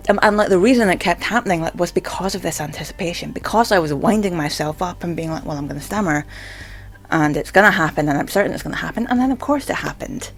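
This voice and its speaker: Speaking quickly with lively intonation, a vlogger with a fairly bright, mid-range voice rambles to the camera. The talk is casual and halting, full of stammers and frequent "like"s.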